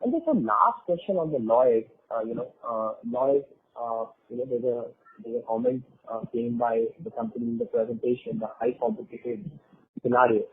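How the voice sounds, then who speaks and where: A man's voice: medium pitch, moderate pace, husky. A man asking questions as an analyst on an earnings call, phrasing them in a hesitant, roundabout way over the phone. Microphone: phone conference line. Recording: tinny phone-line conference call.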